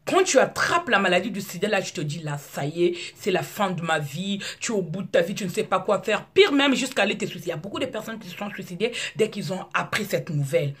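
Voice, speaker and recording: A husky woman in her thirties from Congo, whose first language is Lari, talks straight to her viewers. She is outspoken and circles back, restarting her sentences as she searches for words. Her pitch sits mid-range. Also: lively intonation, fairly bright tone. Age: 30s. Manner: outspoken, repetitive, halting restarts. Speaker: video blogger. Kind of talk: casual monologue to camera.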